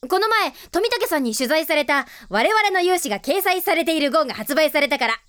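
A boisterous tomboy schoolgirl leader, high in pitch and theatrical. The breezy anime audio drama performance is recorded dry and close. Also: expressive, brisk, a bit bright, dry recording. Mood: showy. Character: bold tomboyish teenage club leader girl, boisterous.

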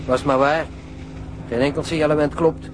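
An actor playing a calm, businesslike, rather glum police investigator in a radio drama, terse, with engine noise behind. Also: male voice, fairly high pitch, normal speed, lightly acted. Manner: terse, steady questioning. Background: boat engine.

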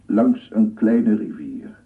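An actor playing a dreamy, secretive, gentle man in a radio drama, musing in hesitant fragments. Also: fairly low pitch, takes it slowly. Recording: distant, phone-like archive radio recording.

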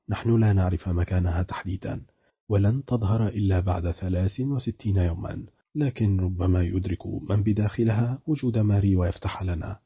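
A man's voice: deep voice, slightly rough, dry recording, muffled recording. A man voicing a resolute woman companion who speaks firmly. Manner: firm.

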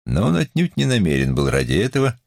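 Very deep, gravelly male narrator. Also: no room sound, clean studio sound. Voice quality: husky, creaky. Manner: measured, expressive storytelling. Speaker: audiobook narrator. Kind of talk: expressive literary audiobook reading.

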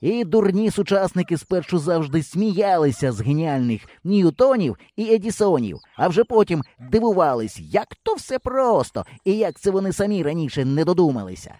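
A man reading an audiobook, voicing an excitable, boastful boy who exclaims and teases his friends. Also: sits high, moderate pace, hardly any pauses, no room sound, pitched above the performer's own voice. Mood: persuasive. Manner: eager, exclaiming, sarcastic.

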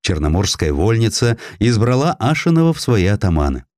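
Male narrator for historical audiobook: low register, lively dramatic delivery, dry studio sound. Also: fairly quick, dry recording. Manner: theatrical, expressive storytelling.

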